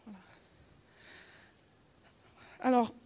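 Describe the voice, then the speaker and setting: Drawing out her words in a mellow voice, a Genevan-accented Swiss woman in her forties delivers a casual conference talk. She hesitates a lot, restarts sentences, fills pauses and laughs often.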